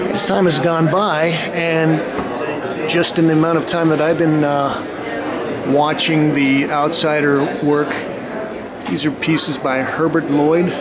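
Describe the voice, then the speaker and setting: Loud background noise surrounds a man speaking at a very slow pace. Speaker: art critic vlogger. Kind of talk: commentary. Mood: calm reflective. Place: hall. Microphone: phone near.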